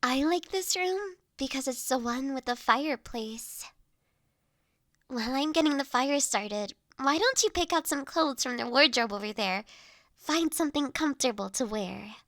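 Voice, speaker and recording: A woman playing a gentle, affectionate young mistress in an intimate roleplay audio, speaking softly, reassuringly and a little hesitantly to her automaton companion, sometimes breathily. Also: high voice, lively intonation, moderate pace, no room sound, studio quality. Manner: tender, reassuring, hesitant, drifting into breathy whispers.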